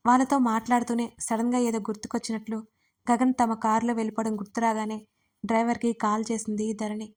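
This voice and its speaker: A woman narrates a scripted audio story in a steady, even reading. Her voice sits somewhat high and barely moves in pitch. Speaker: storyteller and writer.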